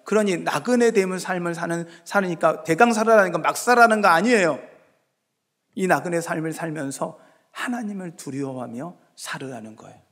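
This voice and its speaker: In the echoing sanctuary of a church, with its long reverb, a man preaches in a slightly high, expressive voice at normal speed. His sermon shifts between quiet asides and forceful, emphatic urging, and he occasionally plays out conversations in his listeners' voices.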